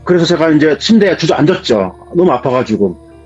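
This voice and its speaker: A man with a husky voice, telling a true ghost story in a vivid, dramatic way as a guest in casual spoken storytelling. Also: fairly high pitch, sing-song, fairly quick, darkish tone. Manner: vivid, dramatic retelling of events. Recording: dull lo-fi sound with faint music.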